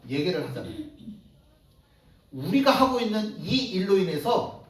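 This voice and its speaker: Man, pastor, lively sermon, acts out voices, high voice, booming church echo. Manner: animated, acts out everyday voices in quotes. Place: church sanctuary. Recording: echoey church hall, distant mic.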